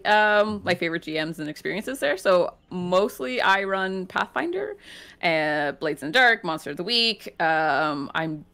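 A woman's voice: lowish voice, a bit bright. Friendly woman guest on a stream. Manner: friendly, laughs easily. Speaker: game master guest. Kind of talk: casual chat.

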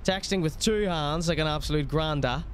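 A man's voice: fairly high pitch, normal speed, a little hiss or hum. A middle-aged man giving mocking, amused video commentary in a sarcastic manner. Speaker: reaction video host. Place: small indoor streaming room. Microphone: studio microphone close to mouth.

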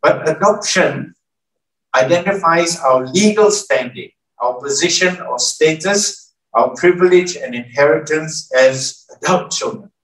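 A man's voice: on the high side, a little slow, a bit bright. An older man preaching a teaching sermon from a church stage, often checking in with the congregation. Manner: teaching, asks the congregation questions. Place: large church hall with stage. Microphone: from far camera, at lectern. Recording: echoey hall, distant mic.

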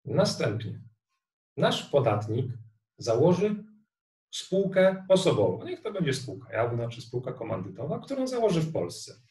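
A middle-aged man giving a recorded online lecture on tax law, explaining a worked example step by step in a measured way. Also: medium pitch, big pitch swings, darkish tone. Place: room indoors. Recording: roomy, distant webcam sound.

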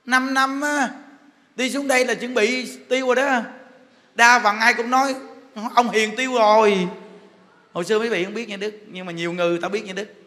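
Southern Vietnamese monk, high and sharp-toned, joking through his sermon in a reverberant hall. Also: a little fast. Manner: joking storyteller, chatty and teasing. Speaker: monk giving a dharma talk. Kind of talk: humorous sermon. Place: temple hall.

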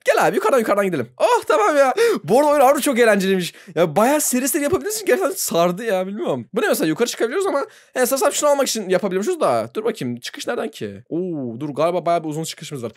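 A young man commenting on a game as he plays with friends, excitable, laughing often and shrieking when surprised. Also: high voice, rapid-fire, few pauses. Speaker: gaming YouTuber. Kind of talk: let's play commentary.

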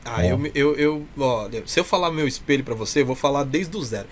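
A man's voice: medium pitch, fast talker, a little hiss or hum. A man with a Brazilian accent chatting casually and effusively as an interview guest. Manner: effusive, talkative. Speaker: interview guest, clown performer. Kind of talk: casual chat. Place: indoors, small room with cloth backdrop.

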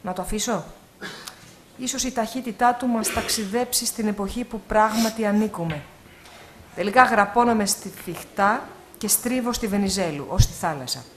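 A woman reading a literary short story aloud at a live event, in an expressive, measured way with pauses. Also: medium pitch, slight background noise. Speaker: reader at an award ceremony. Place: live event before an audience.

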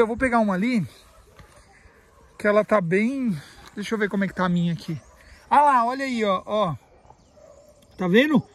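A man's voice: very high-pitched, fairly bright tone. A man with a Brazilian Portuguese accent chatting playfully in a casual vlog, recorded outdoors in a garden by a pool on a phone's built-in mic. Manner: chatty and playful, mispronounces words on purpose. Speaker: carnivorous plant grower and channel host. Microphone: phone built-in mic, no external mic.

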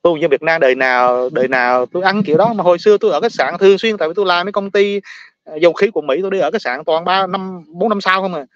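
A man's voice: high-pitched, fast talker, a bit bright, highs cut off. A man from Vietnam with a Southern Vietnamese accent, talking casually and bluntly to his viewers, ranting, repeating words and laughing often.

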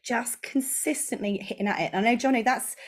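A woman's voice: fairly high pitch, a little fast. An enthusiastic woman in her thirties with an English accent, chatting as a guest on a podcast over a video call from her home office. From England. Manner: bubbly, enthusiastic, gestures a lot. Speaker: guest, course creator. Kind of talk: casual podcast interview. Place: home office with bookshelves, indoors.

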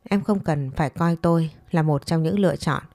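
Woman voicing cool proud ex-boyfriend, measured, low-pitched, fireside storytelling romance, dry sound, music bed. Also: darkish tone, no room sound. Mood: cool, composed. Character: composed, proud man coolly rejecting his former girlfriend.

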